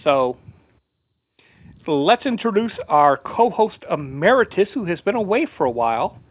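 A hoarse man hosting a casual call-in talk show, chatty and rambling. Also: high voice, sing-song, a little slow, no room sound. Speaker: podcast host. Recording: tinny phone-like line.

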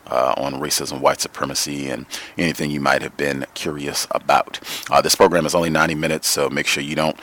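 A male radio host with an extremely low, deep voice. He speaks in a measured way and pauses often on "uh" between phrases as he talks to callers. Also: fairly bright tone. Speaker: host of a call-in radio show. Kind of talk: call-in talk radio hosting.

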